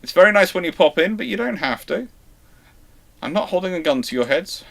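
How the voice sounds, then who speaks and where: A man hosting a live naval history question show, talking in an animated way with quick asides and dry jokes. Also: high-pitched, vocal fry, crowd noise. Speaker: naval history channel host. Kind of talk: live Q&A chat.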